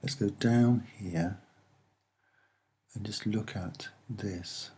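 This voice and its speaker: A soft-spoken man with a slightly husky voice, presenting and explaining images in an unhurried, earnest way with hesitant pauses. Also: on the low side, steady tone, a little hiss or hum. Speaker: online video presenter.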